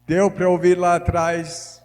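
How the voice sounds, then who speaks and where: A man preaching in Portuguese with a Brazilian Northeastern accent, a missionary whose first language is English, delivering a measured sermon in a church. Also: sits high, completely flat delivery. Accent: Brazilian Northeastern Portuguese, as a foreign speaker. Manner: slow, measured preaching that grows louder when reading scripture. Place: large church hall. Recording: reverberant church hall.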